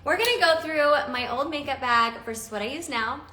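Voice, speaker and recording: Bright, high-voiced bubbly woman in her forties. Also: expressive, a little fast, reverberant. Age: 40s. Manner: bubbly, chatty, laughs often. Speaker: makeup seller hosting a live stream. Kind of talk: casual live-stream chat.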